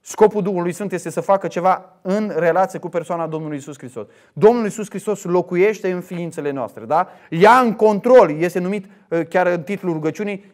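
A man preaching a sermon, swinging between loud emphatic lines and quiet asides, sometimes acting out imagined speech. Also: high voice.

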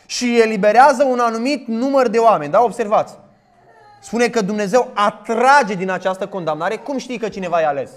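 A man with a high-pitched voice preaches a sermon. He is emphatic, fires off rhetorical questions and reads scripture out loudly.

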